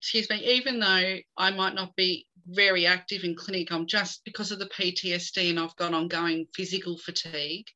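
Middle-aged woman on a video call, bright forceful tone, slightly low voice, animated storyteller. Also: a little fast, few pauses, highs cut off. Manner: animated storyteller, tells jokes. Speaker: guest. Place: home room with bookshelves.

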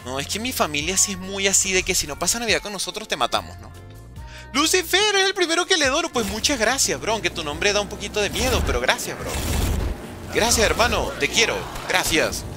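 Streamer guy in his 30s, high voice, joking with chat, music going behind. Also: big pitch swings, brisk, bright, forceful tone. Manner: joking, teasing chat with slang. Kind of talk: casual live-stream chat while gaming.

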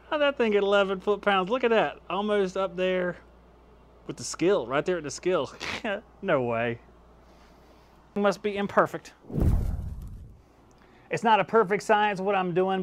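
Drills are the subject as a high-pitched man in his thirties gives an easygoing YouTube tool review. He chats into a clip-on lapel mic inside his home workshop, surrounded by shelves of power tools, and laughs at his own results.

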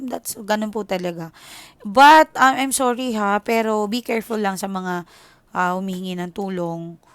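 Filipina tarot reader, chatty, keeps asking "okay?", dry close sound. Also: female voice, medium pitch, clear, resonant tone, dry recording. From Philippines. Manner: chatty, switches into English, frequent "okay?". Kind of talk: casual tarot reading chat.

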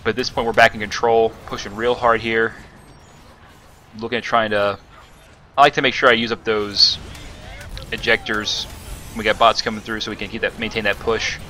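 A man's voice: on the low side, little pitch movement, moderate pace, pauses often, bright, forceful tone, slight background noise. A man giving casual, rambling commentary over his own gameplay footage, with many fillers and restarts. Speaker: gaming commentator.

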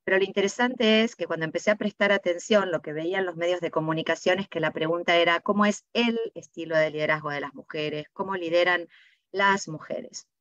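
A woman's voice: on the low side, brisk, fairly bright tone, no echo. A woman giving a prepared talk over a video call, making her points emphatically with rhetorical questions. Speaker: panel speaker, presenter. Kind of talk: prepared slide presentation. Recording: muffled dry video-call audio.

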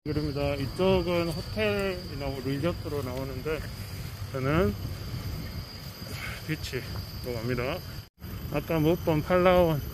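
A man's voice: fairly high pitch, measured pace, pauses often, noisy background. A man casually narrating to himself in short, offhand remarks while riding a bicycle along a seaside road. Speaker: travel vlogger. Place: outdoors on a seaside road and beach.

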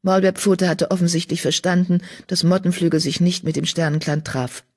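A woman narrating an audiobook in an even, measured storytelling voice. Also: fairly low pitch. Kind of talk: scripted narration.

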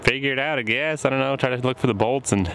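A man's voice: medium pitch, fast talker. Easygoing man narrating outdoor repair work. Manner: easygoing, thinking aloud while working. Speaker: shop mechanic host. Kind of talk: casual how-to narration. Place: outdoor junkyard. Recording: outdoor noise behind.

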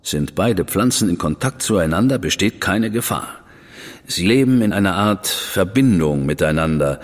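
A composed Victorian spymaster with a very low, measured voice and a sardonic edge. His lines carry a long reverb tail, as if spoken in a large stone room. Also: expressive. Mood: briefing. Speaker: senior crown official briefing an agent. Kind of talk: studio radio drama acting.

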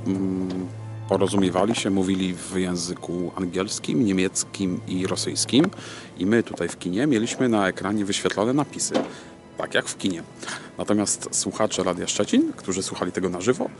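A man with a very low voice talks casually into a camera held at arm's length. He searches for words and halts often, with music behind him. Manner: hesitant, halting, searching for words. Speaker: video host. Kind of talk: casual vlog talk to camera. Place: large empty cinema auditorium, indoors.

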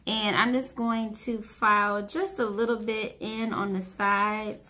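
A young woman casually talking through a home nail tutorial while she works at a table, thinking out loud and poking fun at herself. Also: mid-range voice, flat delivery, unhurried. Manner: chatty, self-deprecating, thinking aloud while working. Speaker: beauty vlogger.

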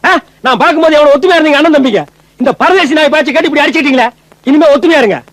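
Comedy guy, real high voice, scolding and mocking, dry close sound. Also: rapid-fire, a bit bright, dry recording. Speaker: comic film actor. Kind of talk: 1990s Tamil film comedy dialogue.

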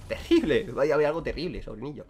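A man from Spain commentating his own gameplay, excitable and swearing freely as he talks to himself and his viewers. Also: fairly high pitch, quick pace, husky. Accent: Spain Spanish. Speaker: gaming streamer.

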